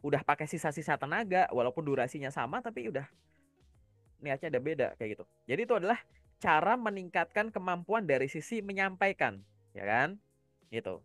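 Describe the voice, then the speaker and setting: A man's voice: fairly high pitch, sing-song, fairly quick, a bit bright, no room sound, faint music behind. A man from Java giving casual coaching advice, explaining step by step and checking in with rhetorical questions. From Java, Indonesia. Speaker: career coach.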